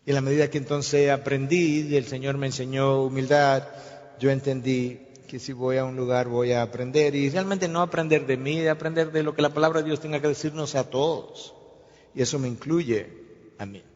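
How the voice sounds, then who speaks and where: A man's voice: medium pitch, steady tone, moderate pace, a little mellow. A man preaching a sermon as pastor, telling stories and acting out their dialogue. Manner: storytelling preacher, acts out dialogue. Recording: long hall reverb, dull lo-fi sound.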